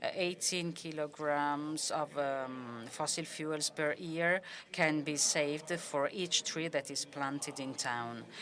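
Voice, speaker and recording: The woman talks at a very slow pace with hardly any pauses. Her pitch is very deep and low, with fairly even intonation. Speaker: simultaneous interpreter at a conference. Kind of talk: interpreted conference talk. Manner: halting, many fillers.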